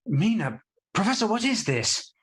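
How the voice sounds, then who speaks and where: A man's voice: sits high, big pitch swings, moderate pace. A man playing a determined young husband on a vampire hunt, earnest and impatient, in a live radio play. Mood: grim resolve.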